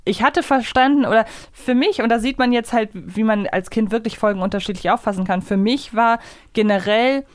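A woman's voice: on the high side, brisk, no room sound, clean studio sound. A woman co-hosting a podcast, casually and reflectively explaining her thoughts. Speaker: podcast co-host. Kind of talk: casual discussion.

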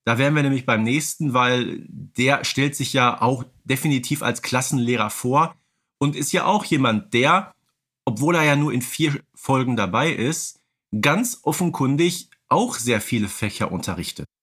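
A man's voice: mid-range voice, lively intonation, moderate pace, a bit bright, breathy edge. Man explaining in a casual podcast. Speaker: podcast co-host.

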